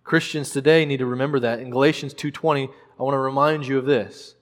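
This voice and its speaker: Male preacher, mid pitch, earnest and emphatic sermon delivery, long room reverb. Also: fairly even intonation, quick pace.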